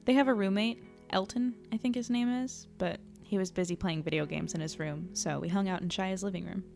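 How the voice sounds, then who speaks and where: A woman's voice: medium pitch, a little fast, creaky, darkish tone, faint music behind, close to an everyday voice. A woman playing an earnest, anxious female reporter in an audio drama, conversational, tentative and a little self-deprecating. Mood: wry narrating. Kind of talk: naturalistic audio drama acting and narration.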